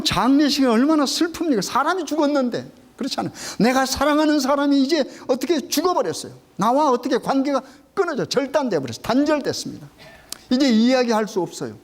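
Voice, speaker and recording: A middle-aged pastor with a high voice delivers a sermon to his congregation, his intonation lively. He keeps raising questions and answering them himself, repeating the key phrases slowly to give them weight.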